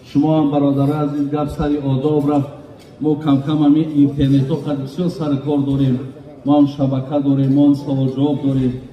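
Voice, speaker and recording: A man with a Tajik accent preaches an earnest wedding sermon in a large echoey hall, frequently calling his listeners brothers. His voice is a little high and level, and the recording is muffled, echoey, and distant.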